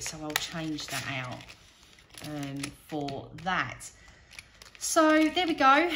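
A woman's voice: low-pitched, noisy background. A British woman chatting casually as she narrates a hands-on task, thinking aloud in a rambling, self-deprecating way. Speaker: budgeting vlogger. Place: indoors at a wooden table.

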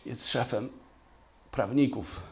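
A man preaching a sermon in a church, telling stories with lively sound effects, at times moved to tears. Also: medium pitch, slow. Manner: animated, acts out gunfire with spoken sounds; emotional, voice breaks. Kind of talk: sermon with storytelling. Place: church hall.

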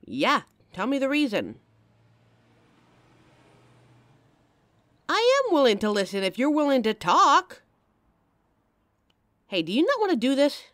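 A woman's voice: fairly high pitch, a bit bright, no echo, full character voice. Woman doing a caring girlfriend talking right to you, close mic, dry sound, voice swings up and down a lot. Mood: hurt, confronting. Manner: speaks straight to the listener, intimate and emotional. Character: devoted young adult girlfriend, caring and direct. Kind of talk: audio roleplay for a listener.

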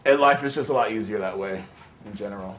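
A man's voice: on the low side, quick pace, fairly bright tone. A man from New City, an artist talking casually and rambling, with lots of filler words. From New York City. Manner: laid-back, rambling, lots of "like". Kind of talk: casual conversational interview.

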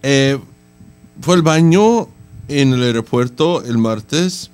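A man's voice: mid-range voice, animated, takes it slowly, darkish tone, clear, resonant tone, soft background music. A middle-aged man, hosting a casual morning radio show in a studio, playful and stammering. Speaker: radio host. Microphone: large studio mic on boom arm.

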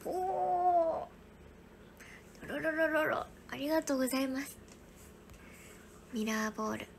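High-voiced young woman, soft and whispery. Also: lively intonation, slow pace, gravelly, a little hiss or hum. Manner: soft, often whispery, thanking viewers one by one. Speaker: livestream host. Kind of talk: casual livestream chat reading viewer gifts.

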